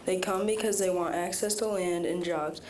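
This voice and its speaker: A ninth-grade girl reads a prepared speech in a steady, rather monotone way. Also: on the low side, normal speed, a little hiss or hum. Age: teens. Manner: steady, somewhat monotone reading. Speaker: student speaker.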